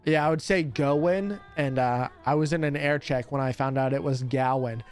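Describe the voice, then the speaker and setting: A man's voice: mid-range voice, moderate pace, a little mellow, clean tone, soft background music. A young man, a radio host streaming casually while opening cards, teasing his chat and laughing often.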